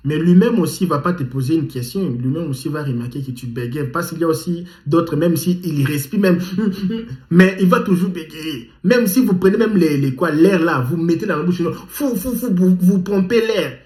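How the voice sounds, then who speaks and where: A man's voice: fairly high pitch, darkish tone, echoey room. A man giving emphatic, repetitive visa interview advice straight to the viewer. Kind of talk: animated advice vlog. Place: in the United States.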